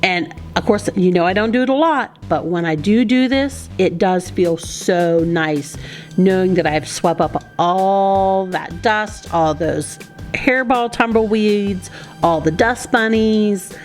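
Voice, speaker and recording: Brief: woman, 50s, homemaker vlogger, friendly chatty voice-over, mid pitch, soft music behind. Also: takes it slowly. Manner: chatty, addresses viewers as friends. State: out of breath. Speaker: vlogger, stay-at-home mom. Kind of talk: casual clean-with-me voice-over chat.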